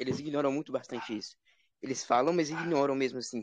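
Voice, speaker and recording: The speaker is a man with lively intonation. The sound is dry and close, with no echo. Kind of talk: casual discussion. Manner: fast.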